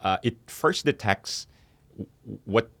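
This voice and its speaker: A man speaking as a company guest in a studio interview, explaining things conversationally in a somewhat halting way. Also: mid-range voice, animated, fairly bright tone, no room sound.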